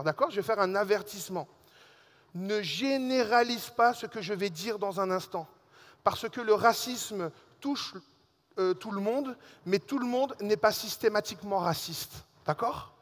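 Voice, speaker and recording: A man preaching a sermon as a pastor, telling a personal story in a lively way and speaking directly to the congregation. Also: high-pitched, big-room sound. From Alsace and Réunion. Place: church hall.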